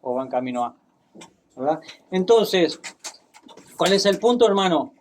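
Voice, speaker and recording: A man preaching a sermon, speaking deliberately and checking in with his listeners, then reading scripture with dramatic emphasis. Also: high voice, animated, a little hiss or hum. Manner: deliberate, tag questions, dramatic Bible reading.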